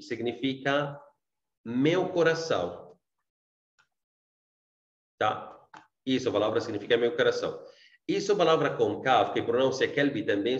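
Teaching a beginners' language lesson online, a man with an Arabic accent repeats his points and often checks in with his students using "tá" and "gente." His voice is medium-pitched, and the recording is reverberant and lo-fi.

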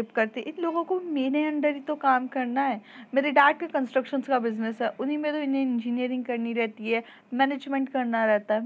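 A woman voicing a spoiled, haughty rich young woman who rants brashly and dismissively. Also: sits high. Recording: dull lo-fi recording.

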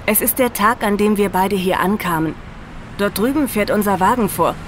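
An actress playing a mysterious, gently insistent wife in a science fiction audio drama, earnest in manner. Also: female voice, mid-range voice, normal speed, noisy background, natural voice. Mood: mysterious, coaxing.

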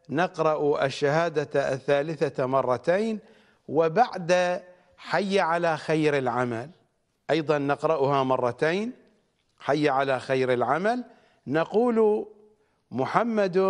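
A man giving a religious lecture, speaking deliberately and rising on emphasized words. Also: fairly high pitch. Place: studio.

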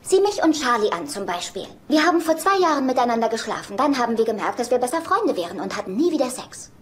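An actress in a German sitcom dub playing a sweetly eccentric, earnest grown daughter. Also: female voice, on the high side, very animated, quick pace. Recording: noisy TV soundtrack with ambience.

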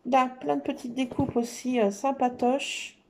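A woman's voice: high-pitched, steady tone, measured pace, warm tone, slight background noise. A woman showing off scrapbooking paper in casual chat, enthusiastic and full of fillers. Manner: enthusiastic, many fillers, repeats "trop beau". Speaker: scrapbooking crafter. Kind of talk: casual show-and-tell of craft paper.

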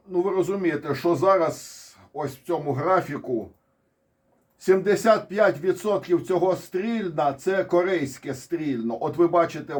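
Ukrainian guy talking over charts, kinda higher voice, wanders off topic, lots of restarts. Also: a little mellow. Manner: digressive, ironic, speaks with pauses and restarts. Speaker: military commentator. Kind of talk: casual spoken commentary on charts.

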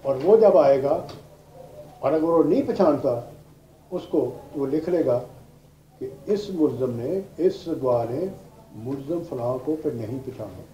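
The lecturer, an older Pakistani-accented man and former judge, walks students through law step by step with repetition and English legal terms. He has a dark, mid-range voice, animated but a little slow. It's a dull, roomy classroom recording with noise behind it.

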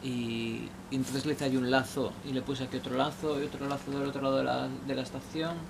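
At night beneath a station shelter, a young male vlogger talks through some casual advice, fairly quickly and in a level, gravelly, medium-pitched voice. His delivery wanders, with hesitations and frequent restarts, against the noise of the outdoors.

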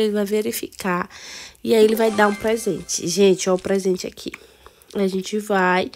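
Hoarse chatty Brazilian woman. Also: on the high side. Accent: Brazilian Portuguese. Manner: chatty, addresses viewers as "amores". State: hoarse from a cold. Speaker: gameplay video host. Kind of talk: casual game walkthrough.

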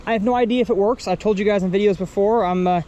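A man's voice: high voice, fast, dark tone, highs cut off. A man, chatting casually through a fishing vlog by an outdoor pond. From Texas. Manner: upbeat, chatty, thinking aloud while fishing. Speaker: fishing vlogger. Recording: outdoor recording with faint ambient noise.

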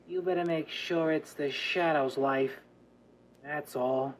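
An actor playing a jumpy, defiant small-time gangster with slangy tough talk, in 1930s radio style. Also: male voice, a little high, fairly even intonation, takes it slowly, a little hiss or hum.

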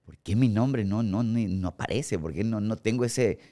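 Deep-voiced Ecuadorian man telling stories. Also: normal speed. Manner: animated storyteller acting out quoted remarks. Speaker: guest actor and impressionist. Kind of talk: casual podcast storytelling. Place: podcast studio with armchairs. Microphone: studio mic on boom arm, headphones.

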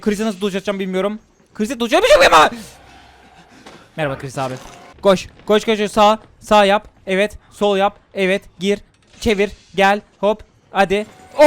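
A young man streaming a horror game run, giving fast excitable commentary to himself and viewers. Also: high-pitched. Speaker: gaming streamer. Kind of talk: excited let's-play commentary.

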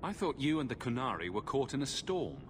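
A man's voice: mid-range voice, big pitch swings, a little fast, background noise, natural voice. A man voicing a direct, questioning fantasy hero in a video game. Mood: inquiring. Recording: game music underneath.

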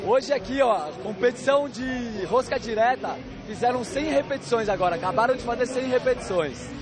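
A man's voice: very high-pitched, normal speed. A man who works as a physical educator, explaining competitions matter-of-factly at a busy indoor sports fair, into a handheld mic. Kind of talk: interview answers. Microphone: reporter's handheld mic. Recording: crowd noise at an expo.

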